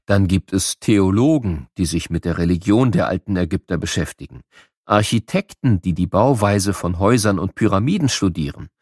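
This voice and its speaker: Male narrator for children's educational audio, measured and explanatory, expressive melody, close dry studio sound. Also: low voice, no room sound.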